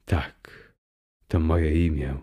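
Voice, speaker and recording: A warm, joyful young man from a storybook, his voice low and deep, as a male reader puts him on. He talks slowly and gently, dropping to a near hush in his quieter moments. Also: fairly even intonation, slightly rough, exaggerated voice. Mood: warm cheerful.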